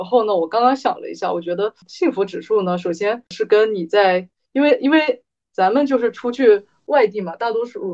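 Speaking at a moderate pace, a woman with an unremarkable speaking voice uses lively intonation and a fairly high pitch. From Guangdong, Zhuhai. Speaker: recent graduate. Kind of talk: casual chat.

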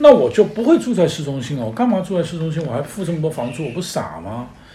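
With very wide pitch swings, a man speaks at a fairly high pitch over noticeable background noise and audible room echo. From Hong Kong. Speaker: independent bookstore owner. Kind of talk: casual interview conversation. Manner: halting, many fillers.

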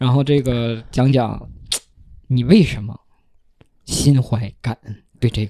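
A man with a medium pitch and a dark, mellow tone keeps his intonation fairly even. His loudness swings widely, and he takes long, frequent pauses. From Northeast China. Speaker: podcast co-host. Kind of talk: casual chat.

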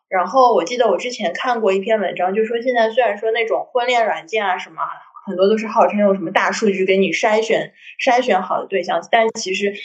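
Talking at a fairly quick pace, a woman with an unremarkable speaking voice keeps a fairly high pitch with ordinary variation. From Shanghai, China. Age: 30s. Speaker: journalist and editor. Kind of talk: casual discussion.

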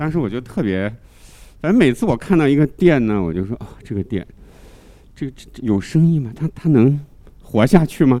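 A man with a medium-pitched voice and a dark, mellow tone speaks at a fairly quick pace, leaving long, frequent pauses. His pitch swings very widely and his loudness rises and falls sharply. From northwest China. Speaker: audience member at live recording. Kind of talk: casual group discussion.

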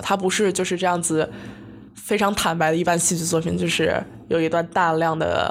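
A normal speaking voice from a woman, fairly low in pitch, at a moderate pace. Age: 20s. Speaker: podcast co-host, student. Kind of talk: casual chat.

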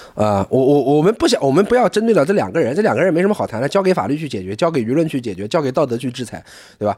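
A man's dark, mellow voice, fairly high in pitch, at a very fast pace with very wide pitch swings. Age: 30s. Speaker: podcast co-host. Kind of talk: casual chat.

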